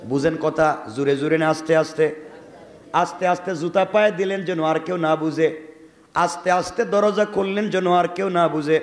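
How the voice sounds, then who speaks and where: A man with a Bangladeshi Bengali accent preaching a storytelling sermon, calling out to the crowd and rising into loud cries. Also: sits high, a little fast, creaky. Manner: calls out to the audience, swings to loud cries. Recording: echoey hall with long reverb.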